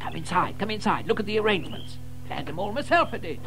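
An actor playing a boastful, excitable rich gentleman toad in a children's audio drama, gushing and pompous. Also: sits high, fast talker, soft background music, full character voice. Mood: rapturous.

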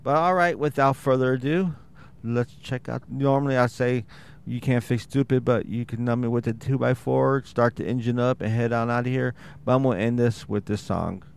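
A man's voice: medium pitch, steady tone, normal speed, creaky, clear, resonant tone. Casual male podcast host, rambling and self-deprecating, congested with a slight wheeze, resonant mid-range voice. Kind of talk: casual true-crime podcast monologue.

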